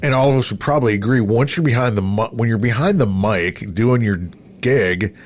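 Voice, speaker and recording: A man's voice: mid-range voice, brisk. A middle-aged man with a mid-range voice co-hosts a morning show. He banters casually and drops jokey interjections into the conversation.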